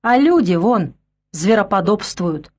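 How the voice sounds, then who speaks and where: A woman's voice: mid-range voice, expressive, unhurried, a little mellow. Grumbling old village man, wary and folksy, storybook voice, read by a woman. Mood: wry.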